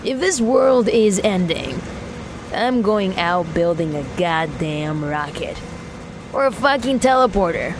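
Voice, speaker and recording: A woman's voice: fairly low pitch, animated, takes it slowly, noisy background. A woman playing a restless, intense, creative rocket builder, musing aloud in a reflective audio drama monologue. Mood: defiant.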